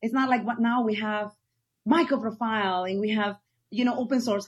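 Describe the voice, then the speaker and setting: A woman speaks with a Spanish accent at a fairly high pitch, with ordinary pitch variation. The background is quiet. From northern Ecuador. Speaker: open source community manager. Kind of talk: casual chat.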